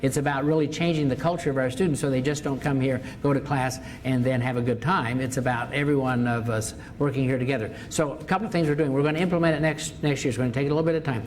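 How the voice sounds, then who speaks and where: A man's voice: mid-range voice, steady tone, fast, hardly any pauses, slight background noise. An older man, a university president, giving a formal speech and then answering audience questions, stressing points by repeating phrases. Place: auditorium with an audience.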